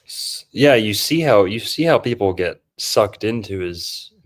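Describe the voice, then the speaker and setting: Young male host, lowish voice, mocking and jokey while riffing over a movie. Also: animated, measured pace. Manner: joking, mocking, slips into put-on impressions. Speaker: podcast host. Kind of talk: casual commentary over a film.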